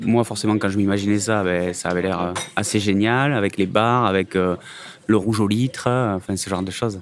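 A plain, everyday voice from a man, fairly low-pitched, at a moderate pace with fairly even intonation. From Aveyron, southern France. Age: 30s. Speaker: miner's grandson. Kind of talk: interview.

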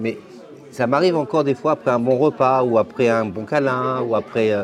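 Against crowd noise, a man with a medium-pitched voice talks fairly slowly with ordinary pitch variation. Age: 60s. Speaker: former smoker with chronic lung disease. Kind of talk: interview. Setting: Paris café, then indoors.

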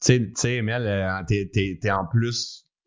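Here is a man with a plain, everyday voice. He speaks at a fairly low pitch with fairly even intonation. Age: 40s. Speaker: mindfulness teacher. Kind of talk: interview.

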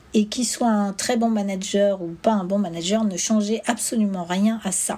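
A woman speaks at a moderate pace and medium pitch with fairly even intonation. Her tone is dark and mellow, and somewhat breathy. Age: 60s. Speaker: retiree and cancer survivor sharing her story. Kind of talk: personal testimony. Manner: smiling, light-hearted.

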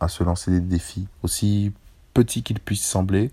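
Very deep and low in pitch, a man speaks at a fairly slow pace in a monotone, flat delivery with a dark, mellow tone. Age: 30s. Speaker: entrepreneur with kidney disease. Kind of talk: personal testimony.

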